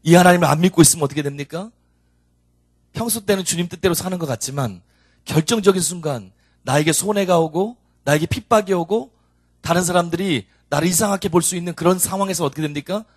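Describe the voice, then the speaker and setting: A man's voice: high-pitched, quick pace, no echo, studio quality. A male pastor preaching an expository sermon, building up emphasis through repeated rhetorical questions. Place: church.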